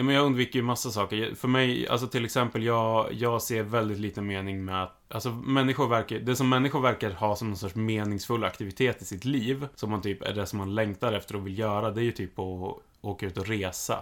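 A plain, everyday voice from a man at medium pitch, fairly quick and with hardly any pauses, fairly even intonation, on a very clean recording with a silent background. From Sweden, Oxelösund. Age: 30s. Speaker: podcast co-host. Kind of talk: casual chat.

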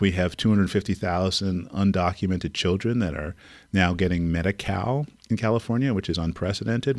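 A man talks at a fairly quick pace in a very deep, low pitch with ordinary pitch variation. The recording is very clean and the background silent. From Montreal, Canada. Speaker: physician and public health executive. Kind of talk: interview. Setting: health conference.

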